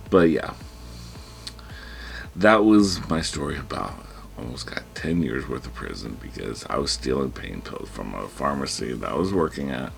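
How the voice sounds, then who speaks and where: A man's voice: a bass voice, expressive, unhurried, creaky. A man vlogging a personal story in casual, rambling storytelling, breathing heavily. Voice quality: heavy breathing. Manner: rambling, restarts, quotes himself in panicked whispers.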